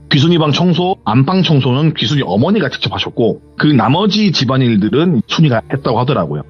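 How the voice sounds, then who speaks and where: A man's voice: mid-range voice, husky. A man retelling a viewer's horror story in a rambling, conversational way, on a muffled recording with faint music. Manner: retelling with hearsay endings, rambling and animated.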